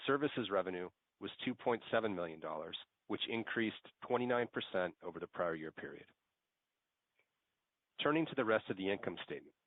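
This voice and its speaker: Low-voiced man on a tinny phone line. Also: dry recording. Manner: formal, measured reading. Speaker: finance executive. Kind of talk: scripted earnings call presentation.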